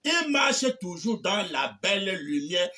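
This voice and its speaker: A man preaching a fervent sermon, often shouting and repeating refrains between phrases. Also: sits high, very animated, unhurried, far from the mic. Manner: shouting, repeating "eh ben" and "amen".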